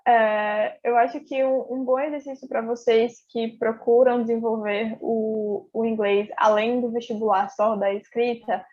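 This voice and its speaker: A young woman teaching an English class, speaking in a relaxed, encouraging way with lots of fillers. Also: fairly high pitch, unhurried, hardly any pauses. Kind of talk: casual online class explanation. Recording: dull lo-fi audio.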